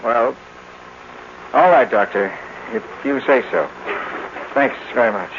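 An actor playing an anxious, well-meaning husband in a 1950s radio drama, earnest and hesitant. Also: male voice, mid-range voice, slow, close to an everyday voice. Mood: resigned. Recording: muffled, very noisy old radio recording.

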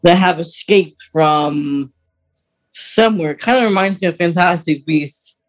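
Man, fairly high voice, podcast co-host, informal, rambling, casual fandom chat. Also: a little slow.

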